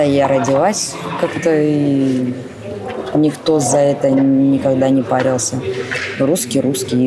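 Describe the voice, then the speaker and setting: Very low-voiced blunt woman. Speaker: interviewee. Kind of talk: candid interview.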